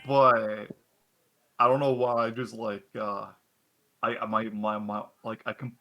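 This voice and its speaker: A man's voice: on the low side, little pitch movement, unhurried, lo-fi sound. A man chatting casually as a player in an online tabletop game, often stammering and restarting his sentences and laughing at himself. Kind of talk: casual chat between players.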